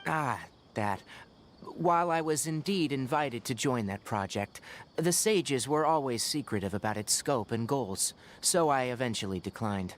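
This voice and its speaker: A man voicing a composed, articulate young scholar in a video game, with a measured, thoughtful manner. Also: medium pitch, expressive, a little hiss or hum, lightly acted. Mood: pondering. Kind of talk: video game character acting.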